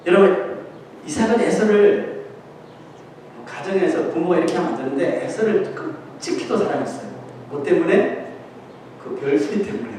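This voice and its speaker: A man preaching a sermon as pastor, telling the story in an animated way and acting out the voices of the people in it. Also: sits high, moderate pace, long pauses. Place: church sanctuary. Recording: echoey church hall, distant mic, faint noise.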